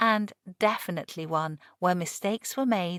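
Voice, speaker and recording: In a very clean recording with a silent background, a woman with a West Yorkshire accent speaks at a fairly slow pace with ordinary pitch variation. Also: dry, close sound with no echo. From West Yorkshire, England. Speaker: voice actor and narrator. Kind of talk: audiobook narration.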